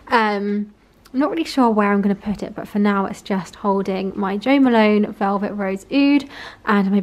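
A young woman with a British accent talks through her weekend in an easy, chatty vlog, her voice sitting in a middle register. She is at home in her apartment, and a faint hiss of noise sits under her voice. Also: medium pitch. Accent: British English. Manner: chatty, gushing, soft and relaxed. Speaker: lifestyle vlogger. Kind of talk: casual vlog chat to camera.

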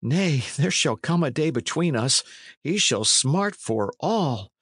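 A man's voice: fairly high pitch, animated, slow pace, a bit bright, breathy edge, no room sound, studio quality, voice pushed up, full character voice. A man voicing a plaintive, delicate but proud young runaway in a storybook, in courtly pleading archaic speech. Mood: aggrieved. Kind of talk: storybook character reading.

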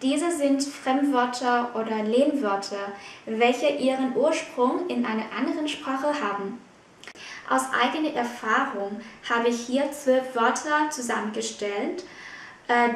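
A woman from Vietnam teaching German pronunciation, saying each word slowly and clearly between quick explanations. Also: on the high side, heavy reverb, far from the mic.

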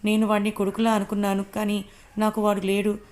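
Woman voicing a fierce middle-aged mother, defiant, scolding, flat even delivery. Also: mid-range voice, fast talker, lightly acted.

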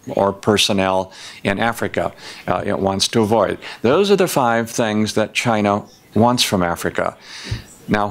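A man's voice: lowish voice, fairly bright tone. An older man speaking as a panelist at a conference table, laying out his points methodically in a prepared policy talk. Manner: measured, methodical, enumerating points.

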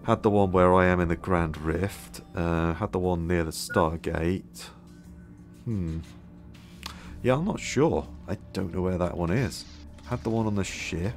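Hoarse deep-voiced man gaming. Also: a little slow, faint music behind. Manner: relaxed, musing aloud, many fillers. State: hoarse, losing his voice. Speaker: gameplay video host. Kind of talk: casual gameplay commentary.

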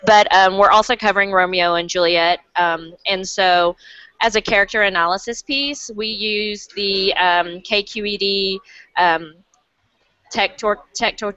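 A woman teacher talking casually on a video call, often pausing with um. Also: mid-range voice, fairly even intonation, sharp tone, smooth, no room sound. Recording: dull lo-fi video call audio.

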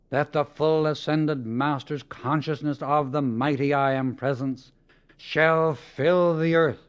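Slow, solemn male audiobook reader. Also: fairly high pitch, smooth, dull audio. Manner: measured, reverent, with long pauses. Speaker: audiobook narrator. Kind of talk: slow, solemn reading of devotional text.

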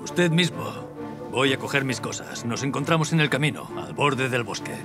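Stubborn, forceful villager. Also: male voice, medium pitch, sing-song, normal speed, over music. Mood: firm. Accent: Castilian Spanish. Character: stubborn, forceful village man leading a hunt. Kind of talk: animated series dubbing.

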